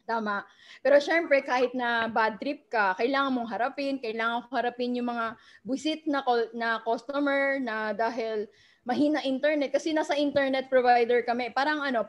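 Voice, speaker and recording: High-voiced chatty Filipino woman. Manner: chatty, keeps asking "di ba?". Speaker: guest speaker sharing her story. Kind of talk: personal testimony talk. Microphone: video call.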